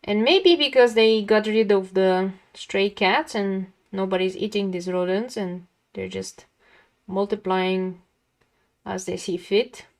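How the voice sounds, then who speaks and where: A young woman with a calming, mid-pitched voice. She talks in a casual, chatty way to viewers of her drawing livestream and often addresses them directly. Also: takes it slowly. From lives near a big Dutch city. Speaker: art livestream host. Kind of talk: casual chat while drawing.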